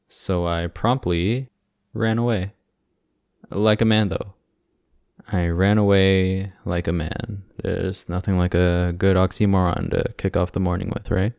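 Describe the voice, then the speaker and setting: A man's voice: low voice, clean tone, dry recording, clean studio sound. A man playing an affectionate, playful boyfriend in an ASMR audio roleplay, teasing and sweet in manner. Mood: joking, teasing. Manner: teasing, sweet, gently joking. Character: affectionate, playful young boyfriend visiting hospitalised partner.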